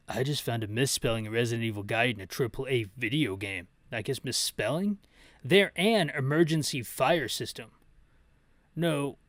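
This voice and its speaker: A man's voice: medium pitch, dry recording. A man giving casual, jokey, opinionated video game commentary, rambling as he narrates the action as the host of a playthrough. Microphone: close mic, bumped now and then.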